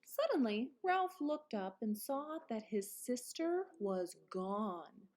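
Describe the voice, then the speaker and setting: A woman reading a children's picture book aloud like a teacher, with dramatic emphasis and quieter explanatory asides. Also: a little high, big pitch swings, takes it slowly. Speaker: read-aloud presenter, teacher. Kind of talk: expressive children's storybook narration with explanatory asides.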